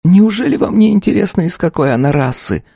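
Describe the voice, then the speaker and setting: A man voicing a tiny golden ghost servant who calmly and persistently needles his master, speaking in a hushed, drawn-out sing-song. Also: high-pitched, gravelly, slightly rough, no echo, studio quality, voice pushed up, heavily acted. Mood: cautious. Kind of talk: audiobook character voice.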